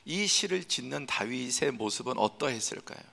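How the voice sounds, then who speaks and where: A male pastor preaching a Sunday sermon, emphatic and building to forceful peaks, sometimes dropping to a hushed voice to act out scenes. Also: mid-range voice, expressive, normal speed, gravelly. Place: church sanctuary. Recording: reverberant church hall.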